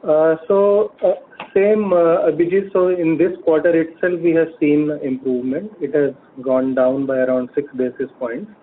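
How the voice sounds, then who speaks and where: A man's voice: fairly high pitch, steady tone, moderate pace. An Indian-accented man answering financial questions as a company executive on an earnings call. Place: telephone conference call. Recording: phone-like audio with faint noise.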